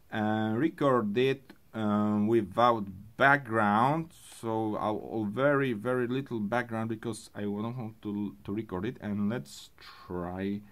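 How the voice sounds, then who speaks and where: A man explains a looper step by step, halting with fillers and restarts. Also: lowish voice, a bit bright. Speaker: music gear tutorial host. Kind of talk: casual tutorial explanation.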